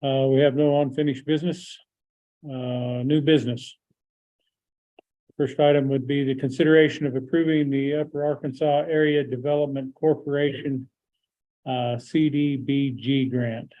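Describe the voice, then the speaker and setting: A hoarse man chairing a county board meeting, explaining an agenda item haltingly with many filler pauses. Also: medium pitch, little pitch movement, mellow. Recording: tinny phone-like audio.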